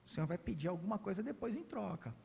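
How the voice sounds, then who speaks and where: A man's voice: lively intonation, vocal fry, a little mellow, exaggerated voice. Man doing a breathless disbelieving poor boy. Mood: incredulous. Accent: Brazilian. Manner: rapid, high, incredulous babble. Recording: reverberant church hall.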